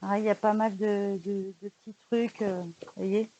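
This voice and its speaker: A woman's voice: mid-range voice, little pitch movement, moderate pace, dark tone, highs cut off. A woman vlogger in casual chat, showing books she bought, hesitant with frequent fillers and restarts, recorded indoors at home. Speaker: vlogger showing a book haul.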